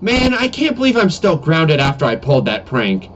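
Excitable, defiant animated schoolboy, played by a man, whiny and swooping, dull cheap-mic sound with faint noise. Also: on the high side, moderate pace. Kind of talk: amateur comedy animation voice-over. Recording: muffled, noisy cheap webcam mic.

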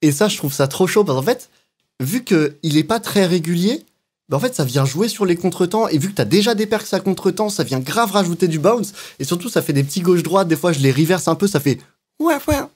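A man giving a relaxed, slangy walkthrough of how he built a beat, now and then mouthing sounds and rhythms. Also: sits high, a little fast, slightly rough. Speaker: music producer. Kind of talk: casual beatmaking walkthrough. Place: home studio.

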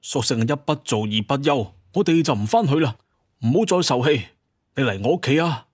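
A man acts out a cheeky young son in an audio drama. He is melodramatic and eager to please, pleading with excitable energy. The sound is close and dry. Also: mid-range voice, normal speed, husky, no echo, voice pushed up. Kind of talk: Cantonese audio drama acting.

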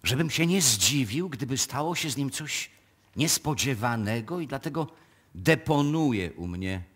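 An actor playing a discreet, polite small-town notary in a radio drama, formal and deliberate. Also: male voice, medium pitch, animated, fairly bright tone, husky. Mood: solemn, insistent. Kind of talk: live radio drama acting.

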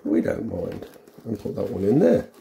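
A middle-aged man giving a casual hands-on tutorial, halting and thinking aloud as he works in a room at home. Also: on the low side, huge pitch swings, vocal fry, mellow. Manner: halting, unscripted, thinking aloud while working. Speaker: vlogger demonstrating a helmet intercom fitting.

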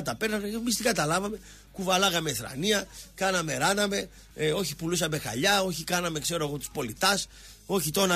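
A middle-aged man rants sarcastically on the radio, mocking and rambling. His voice is husky and sits a little high for a man, with faint music under it. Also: fairly bright tone. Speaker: radio sports show host. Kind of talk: rambling satirical monologue.

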